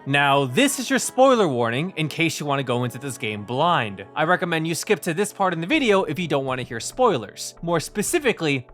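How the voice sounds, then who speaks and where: A man's voice: fairly high pitch, a bit bright. A man narrating a scripted video review as the reviewer.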